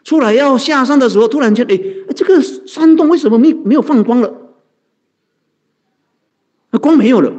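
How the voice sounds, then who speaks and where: A man, a Buddhist monk, telling a story in a dharma talk, animated and chuckling, chanting mantras slowly. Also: very high voice. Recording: dull lo-fi recording.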